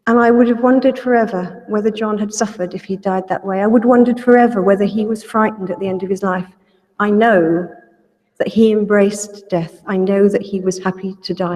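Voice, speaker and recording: A woman giving a slow, steady, earnest personal account as a speaker on a panel. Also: medium pitch. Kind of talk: personal testimony. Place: public lecture hall. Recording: reverberant lecture hall.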